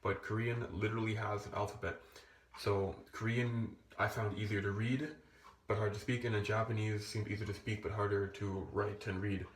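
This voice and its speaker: A man's voice: on the low side, flat delivery, moderate pace, slight background noise. A young man talking casually to camera as a language-learning vlogger, rambling and restarting his sentences. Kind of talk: casual vlog talk. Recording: echoey room.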